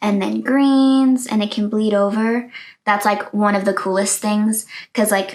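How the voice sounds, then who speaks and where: Woman's fairly high-pitched, ordinary speaking voice, fairly slow in pace, with very even loudness. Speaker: art history student hosting virtual museum tour. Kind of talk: casual screen-share tour commentary. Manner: casual, filler-heavy (like, um).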